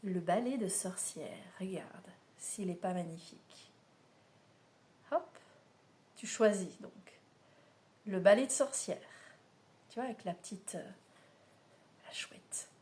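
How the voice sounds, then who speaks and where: A woman's voice: mid-range voice, slow, long pauses, darkish tone. A woman giving a casual spiritual oracle card reading to camera, chatty and familiar, speaking straight to the listener. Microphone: camera mic, filmed mirrored.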